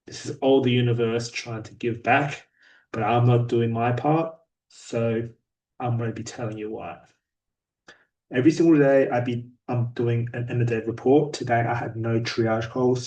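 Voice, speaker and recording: A man talking through his day in a vlog, his delivery flat and a little robotic. His voice sits at an ordinary middle pitch and sounds slightly distant from the microphone. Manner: self-described monotone, robotic delivery. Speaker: sales rep vlogger. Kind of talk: daily progress vlog. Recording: voice a bit distant from mic.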